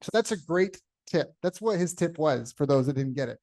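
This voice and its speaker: A man's voice: on the high side, animated, fairly quick, darkish tone. Male interview host, upbeat, recaps guest's points with gusto. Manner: enthusiastic, repeats praise. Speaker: podcast host. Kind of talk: casual interview.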